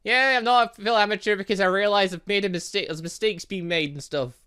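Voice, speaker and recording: A man hosting a gaming video, giving casual, excitable and rambling commentary and stumbling as he reads game text aloud. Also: sits high, quick pace, clean tone. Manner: excitable, rambling, stumbles over read lines. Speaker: gaming video host, let's play narrator.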